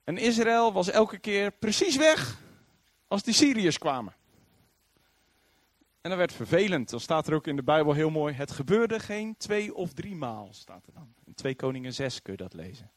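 Animated male preacher with a lively voice. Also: a little high, moderate pace, no echo. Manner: animated storytelling, acting out quoted voices. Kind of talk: sermon.

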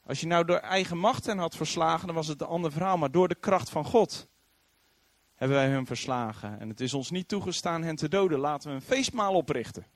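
A man doing a steady, authoritative old prophet: high-ish male voice, dry sound. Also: brisk, no room sound, natural voice. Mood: calm.

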